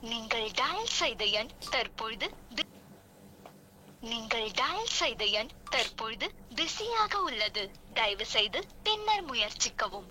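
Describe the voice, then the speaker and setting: A woman giving a slow, formal recorded telephone network announcement, heard through a phone. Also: fairly high pitch, big pitch swings. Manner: slow, measured. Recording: quiet noisy phone-line playback with clicks.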